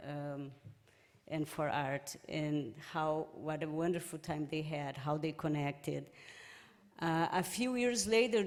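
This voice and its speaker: A woman with a Brazilian accent speaks slowly, sharing anecdotes at a memorial event and laughing softly between them. Her voice sits a little low. The sound carries a long hall reverb. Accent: Brazilian Portuguese. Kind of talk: personal remembrance speech. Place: lecture hall.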